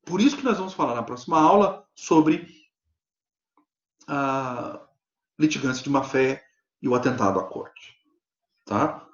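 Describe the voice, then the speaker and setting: A man's voice: a little slow, long pauses. A man with a Brazilian Portuguese accent, a law professor giving a live online lecture, explaining points and checking in with frequent "né?". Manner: explanatory, peppered with "né?" and "tá?" check-ins; animated pitch swings for emphasis. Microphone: computer mic on a video lecture platform. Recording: echoey, dull lo-fi online class audio.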